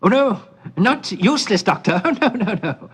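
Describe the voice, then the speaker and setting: A man's voice: high voice, very animated, moderate pace, slightly rough, voice pushed up, heavily acted. A man voicing a giddy, feverishly insistent madman with a giggling, stammering delivery in a gothic audiobook. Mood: manic glee. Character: giddy, raving madman asylum patient, fly-eater.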